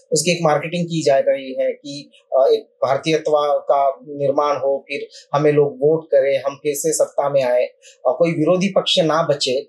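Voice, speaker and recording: An interviewer asking questions in measured, formal phrasing. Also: mid-range voice.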